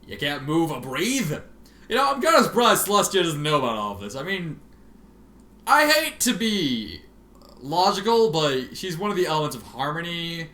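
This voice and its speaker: A man reading fan fiction aloud in an expressive, sardonic manner, with casual asides. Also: fairly high pitch, moderate pace. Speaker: amateur fan fiction reader. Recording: roomy, faintly noisy home recording.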